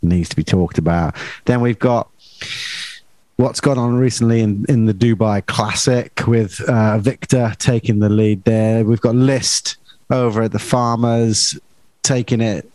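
A man hosting a golf chat show with a somewhat low voice, briskly listing what is coming up and ribbing his co-hosts. The sound is close and dry, with no room around it. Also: fairly even intonation, a little mellow, no room sound. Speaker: podcast host. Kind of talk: casual chat.

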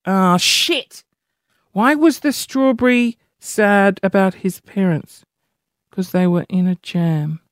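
A man with a high-pitched voice hosting a podcast, telling a story in an animated, self-deprecating way. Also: slow pace, no room sound, clean studio sound. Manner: animated, self-deprecating, jumps between high and low tones. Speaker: podcast host. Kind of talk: casual storytelling monologue.

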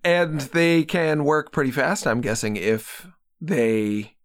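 A man's voice: a little high, lively intonation, slow. A man from Boston, a podcast guest who laughs often and asks playful questions. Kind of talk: comedy chat.

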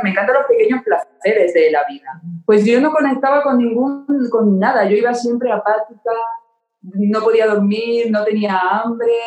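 A podcast guest with a medium-pitched, darkish voice talks candidly in an open-hearted, emotional way, repeating words for emphasis. The sound is roomy.

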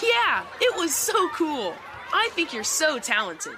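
Woman acting excited high-pitched young friend in ad. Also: takes it slowly, a crowd in the background, noisy background, exaggerated voice. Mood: excited, admiring.

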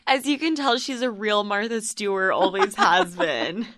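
A woman's voice: on the high side, a bit bright. A woman in her twenties hosting a casual podcast, giggly and playful, swearing casually. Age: 20s. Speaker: podcast host.

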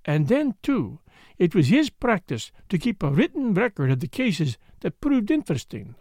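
A man's voice: sits high, huge pitch swings, moderate pace, a little mellow, no room sound, clean studio sound, full character voice. A man voicing an eccentric, vain but kindly older detective with a French accent, speaking in formal, courteous, emphatic phrases for an audiobook. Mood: wistful, reflective.

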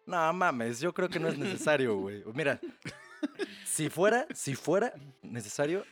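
A man with a Mexican Spanish accent telling a crude, animated story on a casual podcast. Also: a little high, measured pace, faint music behind. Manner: crude slang-heavy, animated retelling. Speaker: podcast host.

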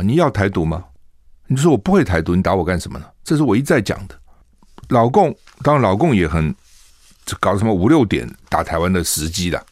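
Older Taiwanese man, animated talk host. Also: low voice, no room sound, clean studio sound. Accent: Taiwanese Mandarin. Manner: animated, rhetorical questions, repeats phrases. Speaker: radio talk show host. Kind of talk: political commentary monologue.

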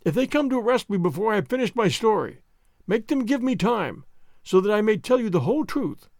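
A man's voice: sits high, big pitch swings, a little fast, darkish tone, dry recording, studio quality, voice pushed up. A man voicing a frantic, pale young solicitor who pleads urgently and breathlessly for help. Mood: frantic pleading.

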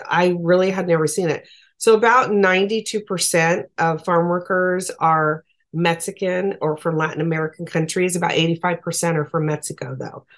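A woman advocate for farm workers, speaking as an interview guest in an earnest, emphatic, plain-spoken way. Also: on the low side.

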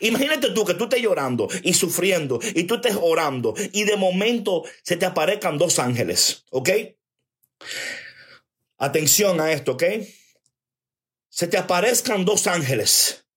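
A man delivers a sermon in a high, slightly husky voice. He drives points home by repeating lines and speaks straight to his listeners, often pausing to ask if they follow. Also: very animated, a bit bright. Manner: emphatic, repeats phrases for stress; addresses listeners directly, checks in with "ok?". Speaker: preacher.

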